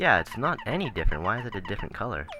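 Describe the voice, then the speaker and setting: Music plays in the background while a man talks fairly quickly. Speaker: gaming video creator. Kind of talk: let's play commentary. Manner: fast; rambling, casual.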